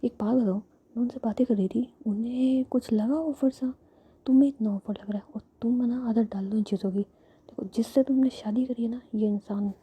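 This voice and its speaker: A woman's voice: fairly high pitch, fairly even intonation, normal speed, warm tone, a little hiss or hum, close to an everyday voice. A woman whispering the part of a cheeky, teasing young woman in a told story. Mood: mocking. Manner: whispered, playful banter.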